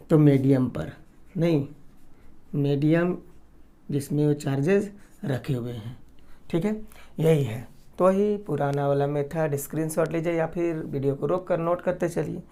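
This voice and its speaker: A man teaching a physics lesson. He keeps asking rhetorical questions and answering them himself, and he drags words out slowly while he writes. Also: a little high, mellow. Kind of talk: classroom lecture.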